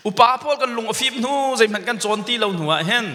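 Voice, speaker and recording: A man's voice: sits high, fast talker, pushed and bright, in a large hall. A male pastor preaching a sermon, mixing English words into his speech. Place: church sanctuary.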